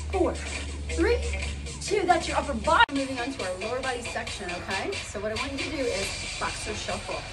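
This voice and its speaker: A woman talks at a fairly quick pace. Loud music plays in the background. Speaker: fitness instructor. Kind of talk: workout instruction.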